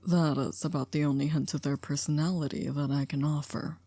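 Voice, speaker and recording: A woman acts out an exacting chief maid of a grand estate for ASMR roleplay. The voice is low, dark and close with a dry, roomless sound. Each phrase is formal and measured, edged with dry reproach. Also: steady tone, no room sound.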